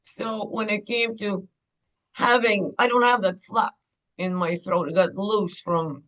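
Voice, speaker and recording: A woman's voice: mid-range voice, fairly even intonation, a little slow, fairly bright tone, poor audio. A woman from Ukraine, candidly telling her life story as a guest on a podcast interview. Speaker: guest, clinic owner.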